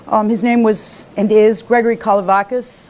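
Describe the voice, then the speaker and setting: Here a woman talks. Her intonation is fairly even. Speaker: poet giving a reading. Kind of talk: poetry reading. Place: hall. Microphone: podium.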